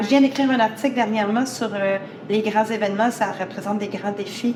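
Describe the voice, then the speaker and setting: Over noticeable background noise, a woman talks at a fairly quick pace with a fairly high pitch. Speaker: event planner. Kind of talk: podcast interview. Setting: in a workshop studio. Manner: animated.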